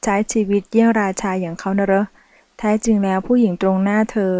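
A woman narrating a romance novel in a steady, even storytelling delivery, recorded close to the mic. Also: medium pitch, quick pace, no echo. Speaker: audiobook reader.

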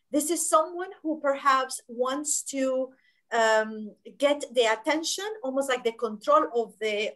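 Woman, 30s, webinar panelist on a video call; slightly high, emphatic, restarts a lot. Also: fairly bright tone. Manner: emphatic, gestures with hands, frequent fillers and restarts. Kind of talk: conversational panel discussion. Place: home office, indoors. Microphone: laptop webcam video call.

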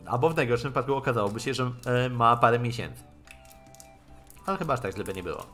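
A man reading visual novel dialogue aloud in a halting way and adding his own comments as a streamer. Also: mid-range voice, animated, fairly bright tone. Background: game music.

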